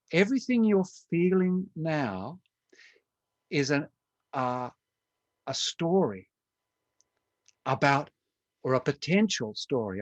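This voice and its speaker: A man's voice: on the high side, no room sound. A man giving an online conference lecture in a conversational way, speaking to listeners by name.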